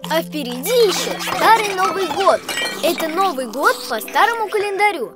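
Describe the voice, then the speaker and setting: A woman's voice: very high voice, big pitch swings, moderate pace, over loud music. A woman voicing a small, patient helper creature who explains and corrects in a children's educational cartoon. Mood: explaining. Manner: clear explaining, gently correcting.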